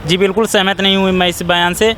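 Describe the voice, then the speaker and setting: A man with a high voice gives his opinion in a street interview, often groping for the next word. There is some street noise around him. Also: flat delivery, a bit bright. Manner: halting, searching for words. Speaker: member of the public being interviewed. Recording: noisy outdoor street recording.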